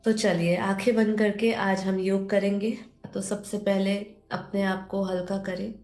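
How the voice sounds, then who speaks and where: Slow, mellow woman guiding meditation. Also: mid-range voice, flat delivery. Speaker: meditation guide. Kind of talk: guided meditation, spiritual teaching. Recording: roomy echo under background music. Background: music.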